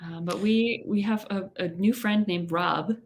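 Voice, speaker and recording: A woman co-hosting a casual livestream from her home office, wry and joking with quick asides. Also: medium pitch, steady tone. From Texas. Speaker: co-host.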